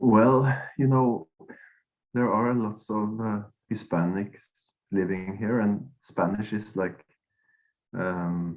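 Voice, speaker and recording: Very slowly and with long, frequent pauses, a man speaks with a Norwegian accent, a fairly low pitch, and ordinary pitch variation. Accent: Norwegian accent, non-native English. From Norway. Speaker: pastor. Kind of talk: interview podcast.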